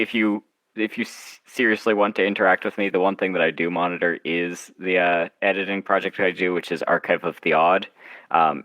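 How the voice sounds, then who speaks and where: A man chatting casually as an interview guest, halting and self-deprecating as he explains his writing work. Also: low-pitched, fairly bright tone, dry recording, low-quality recording. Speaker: guest author and zine editor.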